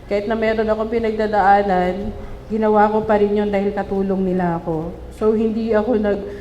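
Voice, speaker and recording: Middle-aged Filipina woman, witness, mellow halting testimony, echoey hall with faint room noise. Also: medium pitch, steady tone, dull audio. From Philippines. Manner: halting, many restarts and fillers, polite "po". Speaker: witness giving public testimony. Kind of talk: emotional personal testimony. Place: large public hall.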